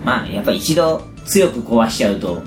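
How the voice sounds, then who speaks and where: A man with a hoarse, raspy voice worn out from shouting, chatting casually and at length as a show host. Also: mid-range voice, sing-song, moderate pace. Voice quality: hoarse, gravelly rasp from overused voice. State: hoarse after a day of shouting karaoke. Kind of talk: casual chat. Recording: echoey room with music behind. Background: background music.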